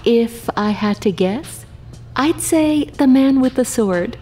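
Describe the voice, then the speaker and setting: A woman's voice: a little high, expressive, slow, mellow, soft background music. A woman playing a genteel, passive-aggressive immortal envoy from heaven in an audio drama, polite and sweetly condescending. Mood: confiding.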